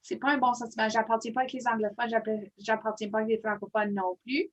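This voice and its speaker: A middle-aged woman telling stories in casual conversation, emphatic and lively. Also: a little high, fast. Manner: lively, emphatic, animated storytelling. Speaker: guest in group discussion. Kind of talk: casual storytelling.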